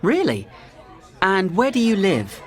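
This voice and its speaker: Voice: mid-range voice, wildly swooping pitch, a little slow, faint music behind, some chatter behind. A speaker voicing a sing-song friendly questioner. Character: friendly questioner meeting new people. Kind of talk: scripted practice dialogue.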